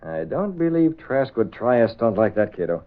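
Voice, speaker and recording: An actor playing a calm, authoritative male hero in a 1930s radio drama, speaking in a measured way, on a scratchy, narrow old recording. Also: medium pitch, lightly acted.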